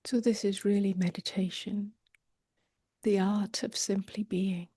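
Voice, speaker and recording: A woman meditation teacher leading a guided meditation softly and gently, often drifting toward a whisper, with long pauses. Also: medium pitch, level tone, no echo, clean studio sound. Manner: soft, breathy delivery drifting toward a whisper.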